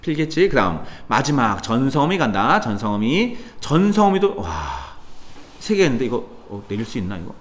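A man's voice: mid-range voice, a little fast. A man teaching a grammar lesson to students in a casual, chatty way, with asides and exclamations. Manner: lively, chatty teacher addressing students, sudden mutters and exclamations. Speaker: Korean language tutor. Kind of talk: classroom grammar lecture. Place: cram school classroom.

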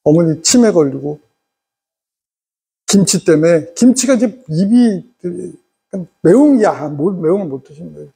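A middle-aged man lecturing parents in an animated way and having the audience repeat phrases after him. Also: on the high side, normal speed, vocal fry, breathy edge.

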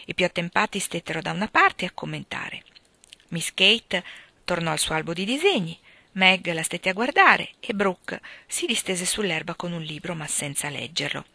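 Brief: expressive female audiobook narrator, slightly low voice. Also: moderate pace, no room sound. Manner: clear, expressive reading. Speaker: audiobook reader. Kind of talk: scripted narration.

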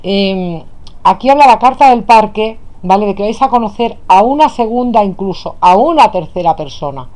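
A woman's voice: medium pitch, expressive, moderate pace, darkish tone. A woman with a Spain Spanish accent leads a tarot reading for her audience. She speaks fondly to her viewers, calling them her loves as she turns over cards. She is recorded indoors at a table. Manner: affectionate, addresses viewers as "my loves". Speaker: tarot reader. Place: indoors at a table, hands only on camera.

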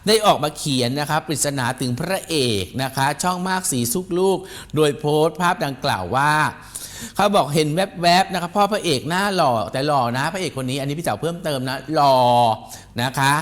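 Chatty high-voiced male gossip host. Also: fairly quick. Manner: animated, repetitive, ends nearly every phrase with a polite particle. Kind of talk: chatty entertainment gossip talk.

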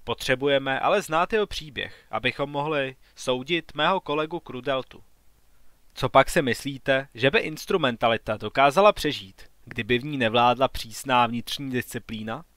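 A man narrating a science fiction audiobook story, reading every character's lines in an even, unhurried voice. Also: medium pitch, dry recording. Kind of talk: scripted narration.

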